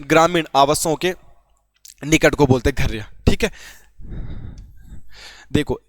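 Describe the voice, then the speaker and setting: A man's voice: fairly high pitch, unhurried, no echo. A young man from Garhwal teaching an informal exam-prep lesson, chatty, asking and answering his own questions. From Uttarakhand, Garhwal.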